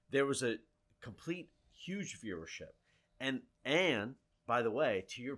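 Lively intonation marks a man's medium-pitched speech. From US, Delaware (Indian-American). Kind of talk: casual chat.

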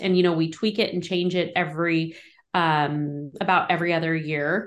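This woman has a fairly low pitch and speaks with an American accent. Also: quiet background. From Northern California, Modoc County. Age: 40s. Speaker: outdoor apparel company owner and firearms instructor. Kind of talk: casual interview chat.

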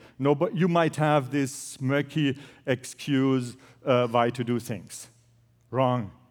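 A man with a German accent, medium pitch and ordinary pitch variation, on a very clean recording with a silent background. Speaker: truck company employee sharing testimony. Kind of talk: testimony and interview. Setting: church stage with audience.

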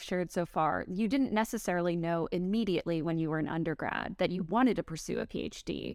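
An unremarkable speaking voice in a very clean recording with a silent background. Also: woman. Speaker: podcast host and PhD student. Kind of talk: interview conversation.

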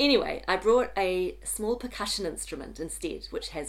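A woman talks with a New Zealand accent. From New Zealand, Waikato region. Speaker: writer. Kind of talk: conversation about writing.

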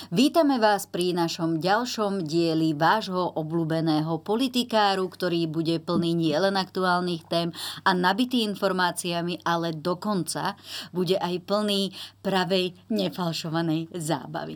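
A woman's fairly low voice at a fairly slow pace, with ordinary pitch variation, on a very clean recording with a silent background. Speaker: TV news reporter and podcast host. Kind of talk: moderated comedic political talk show. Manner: animated, teasing.

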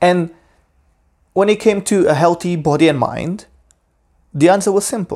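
The speech runs at a moderate pace, broken by long, frequent pauses. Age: 20s. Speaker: podcast host and life coach. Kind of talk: solo monologue podcast. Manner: animated.

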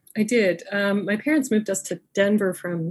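A woman with an American accent talks at a moderate pace and medium pitch, slightly breathy, with ordinary pitch variation. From Colorado. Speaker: recovering alcoholic sharing her story. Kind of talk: testimony.

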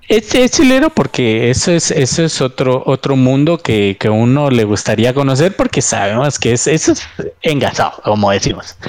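With noticeable background noise behind him, a man of medium pitch speaks at a moderate pace, his intonation lively and his loudness very even. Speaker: content creator. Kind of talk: casual chat.

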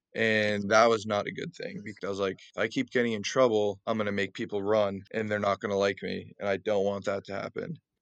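A man with an American accent and an ordinary speaking voice talks at a fairly quick pace and fairly low pitch, his intonation fairly even, the sound dry and close with no echo over a quiet background. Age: young. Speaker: former student and college athlete. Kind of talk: interview.

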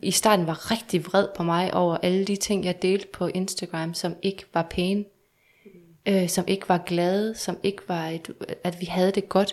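In a normal speaking voice, a woman talks at a fairly slow pace with a medium pitch. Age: 30s. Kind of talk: casual chat.

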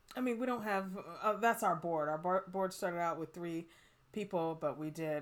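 A woman speaks in an ordinary speaking voice at a fairly low pitch and a moderate pace. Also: ordinary pitch variation. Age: 40s. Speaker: cannabis entrepreneur and social equity advocate. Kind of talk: casual interview chat.

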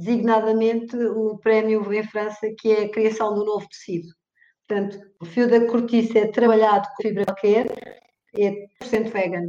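A woman with a fairly high pitch. Her tone is dark and mellow. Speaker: business angel investor and lawyer. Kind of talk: casual interview.

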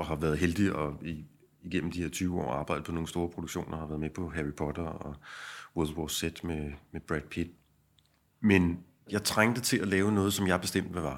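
A man's very deep, low voice with ordinary pitch variation at a moderate pace, on a very clean recording with a silent background. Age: 40s. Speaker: artist. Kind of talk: interview. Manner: halting.

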